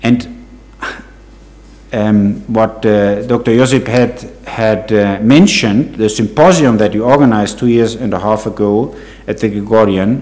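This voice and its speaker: The speaker has a German accent and a fairly slow pace, with fairly even intonation. Noticeable background noise and audible room echo fill the recording. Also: man, fairly low pitch for a man. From Germany. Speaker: priest and psychology professor. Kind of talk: lecture.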